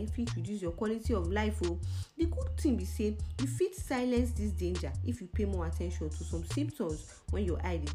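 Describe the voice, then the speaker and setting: Posing questions to her listener and answering them, a Nigerian-accented woman explains health topics in Nigerian Pidgin. Her voice is medium-pitched and her style emphatic yet conversational.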